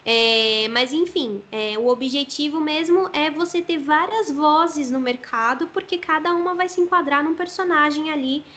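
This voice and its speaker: A woman's voice: high-pitched, normal speed, few pauses, fairly bright tone. A Brazilian woman who works as a voice actress, explaining her craft thoughtfully in an interview. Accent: Brazilian Portuguese.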